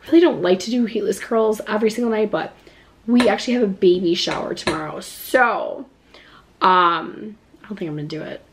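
A woman's voice: mid-range voice, fairly quick, slight background noise. A woman in her thirties chats casually to a close camera in her home kitchen. She sounds a little stuffed up, with a slight cough, and keeps dropping "like" between her words as she rambles. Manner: chatty, lots of "like" fillers. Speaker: vlogger. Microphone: camera at close range.

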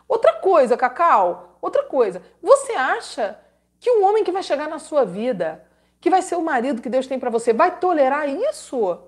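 Woman host scolding ppl on a live advice stream, high voice, swings all over, very dramatic. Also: sing-song, moderate pace. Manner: emphatic, scolding, dramatic repetitions; religious exclamations. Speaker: host giving relationship advice. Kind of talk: live-stream advice, reading letters aloud.

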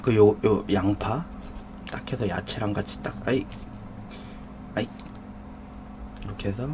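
A man's voice: lowish voice, a little slow, background noise. A man hosting a live mukbang stream, eating and joking while he greets viewers from the chat. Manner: jokey, banters with viewers, reads out chat names. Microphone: desk condenser mic.

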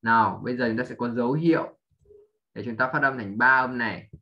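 A man's voice: mid-range voice, a little fast, lo-fi sound, a little hiss or hum. A man teaching an English lesson to a child, drilling sounds patiently, spelling letters one by one and often checking understanding.

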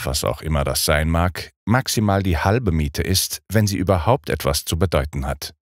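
Middle-aged male audiobook narrator, low voice with a wide melodic range, dry close studio sound. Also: dry recording. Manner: clear, deliberate trained-singer delivery; precise, emphatic stress. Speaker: audiobook narrator and speech coach. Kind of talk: scripted audiobook lesson narration.

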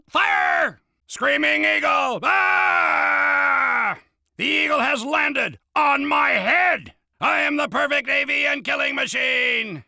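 An actor playing a bombastic eagle-headed soldier with a gravelly American voice in a video game. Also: male voice, very high-pitched, pushed and bright, no room sound, clean studio sound, exaggerated voice. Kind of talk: shouted game taunts.

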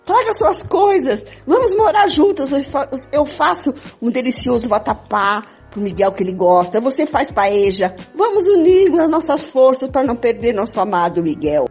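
Melodramatic, jealous soap wife played by an older woman: husky, very animated, begging, on a lo-fi recording with music behind. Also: high voice, moderate pace, few pauses, full character voice. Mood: exasperated. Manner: pleading, melodramatic, repetitive. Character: pleading, jealous wife, melodramatic but accommodating. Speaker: amateur participant in a radio play. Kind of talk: improvised amateur radio soap opera acting. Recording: dull lo-fi audio with music.

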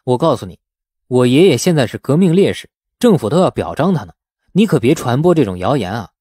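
A man's voice: mid-range voice, very animated, a little fast, warm tone, breathy edge, dry recording, clean studio sound. A man voicing a wary young man who questions and reasons, in an audiobook. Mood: protesting. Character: wary young man defending his grandfather's good name. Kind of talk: audiobook character acting.

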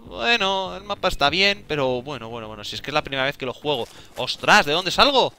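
A young man giving casual, excitable gameplay commentary, talking to himself and exclaiming often. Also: on the high side, a little fast. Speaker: gaming video creator.

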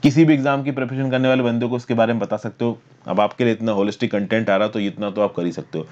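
A young man lecturing for exam prep over slides, explaining step by step and reading legal text slowly. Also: on the low side, steady tone, darkish tone, lo-fi sound. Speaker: current affairs teacher.

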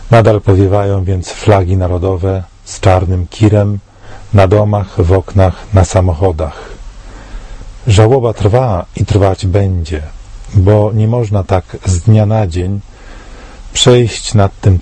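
Man in his 60s, solemn and rhetorical, low voice, dark husky tone, studio commentary. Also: steady tone, takes it slowly, dry recording. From Poland. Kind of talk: scripted commentary read to camera.

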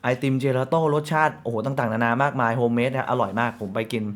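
Between the news on his casual football show, a male host rattles off sponsor plugs in a chatty manner, sprinkling in polite fillers often. His mid-range voice keeps a steady tone.

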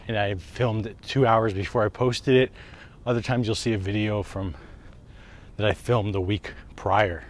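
Man, thirties, casual walking vlog, outdoors on a street, handheld camera, chatty, swears. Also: fairly low pitch. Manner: chatty, swearing, laughs at himself. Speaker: wellness vlogger. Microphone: handheld camera at arm's length.

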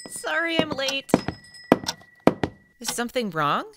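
A woman's voice: high voice, big pitch swings, slow, very noisy, full character voice. A woman playing an easygoing, talkative hotel clerk on the night shift in an audio drama, casual and chatty. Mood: casual, joking.

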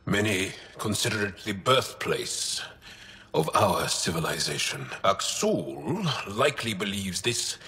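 An actor playing an earnest, burdened alien warrior in a video game, solemn and measured, with formal phrasing. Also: male voice, deep voice, very animated, bright, forceful tone, in a large hall, heavily acted. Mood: grave, troubled. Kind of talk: cinematic video game acting.

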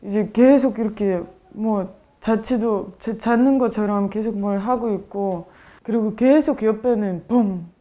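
A woman in her twenties from Ukraine, speaking Korean as an in an interview, halting and searching for words. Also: mid-range voice, mellow. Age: 20s.

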